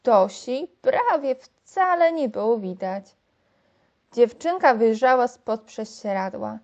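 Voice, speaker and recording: Slow, high-voiced woman reading a children's story. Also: animated, a little mellow, lo-fi sound.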